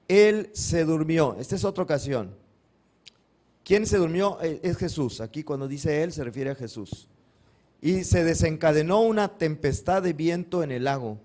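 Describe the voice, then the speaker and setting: Here a male pastor delivers a Sunday sermon full of questions and dramatic retellings, his voice on the high side and a little mellow. He puts questions to the congregation, answers them himself, and performs biblical cries with flair.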